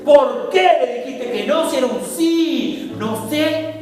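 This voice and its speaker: A man with a Rioplatense Spanish accent preaching a sermon as a pastor, animated, acting out little dialogues with big swings in his voice. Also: very high-pitched, slow. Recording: echoey hall, voice from far off, faint music.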